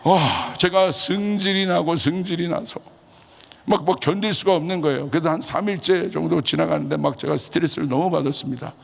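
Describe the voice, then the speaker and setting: A man's voice: fairly high pitch, creaky. A male pastor telling a story in a sermon, acting out the voices of the people in it. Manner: animated, acts out quoted voices. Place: large church hall. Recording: echoey church hall with long reverb.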